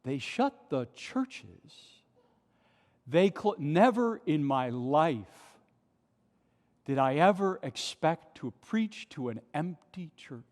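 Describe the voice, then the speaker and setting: In a vast, almost empty church, a pastor preaches passionately into the pulpit microphone, asking rhetorical questions. He's very animated yet takes it slowly, his voice on the high side and a little mellow. The sound rings with long reverb.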